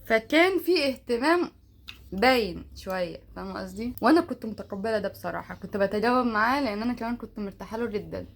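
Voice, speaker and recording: A woman's voice: fairly high pitch, fairly bright tone. A young Egyptian woman telling a personal story casually, chatty and often laughing as she acts out both sides of conversations. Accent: Egyptian Arabic. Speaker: vlogger.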